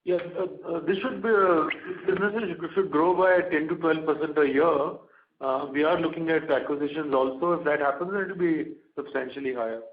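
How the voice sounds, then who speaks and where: Higher-pitched male executive on phone line. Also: brisk. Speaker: company executive. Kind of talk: earnings call answers.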